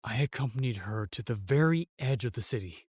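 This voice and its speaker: A man's voice: medium pitch, lively intonation, a little mellow, breathy edge, no room sound, studio quality. Man acting a solemn, remorseful fantasy knight. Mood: bitter, regretful. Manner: halting, weighty storytelling with sighs and pauses. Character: solemn, remorseful knight, sworn protector of the realm. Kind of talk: fantasy audio drama acting.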